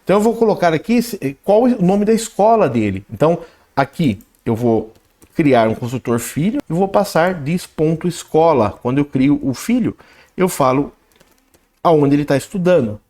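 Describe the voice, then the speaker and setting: A man walks through code in a casual tutorial voice. His voice sits slightly high and swings up and down a lot as he explains. He talks while typing and checks in with quick "né?" and "ok?" asides. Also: expressive, warm tone. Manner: talks while typing code, reads output aloud, frequent "né?" and "ok?". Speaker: programming instructor. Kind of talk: screen-recorded coding tutorial.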